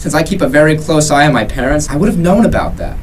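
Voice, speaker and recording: A man's voice: fairly high pitch, fast talker, far from the mic, a little hiss or hum, lightly acted. A man playing a clever, analytical and confident young hero in an audio drama, dry and sarcastic. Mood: smug.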